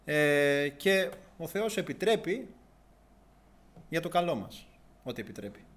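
Earnest man giving a halting testimony. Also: a little high, very animated, fairly bright tone. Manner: earnest, halting, with restarts and long pauses. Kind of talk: personal testimony, storytelling.

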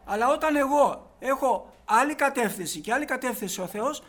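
High-voiced man preaching emphatically. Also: lively intonation. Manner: emphatic, with rhetorical questions to the congregation; shifts between hushed asides and loud stressed points. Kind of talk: sermon.

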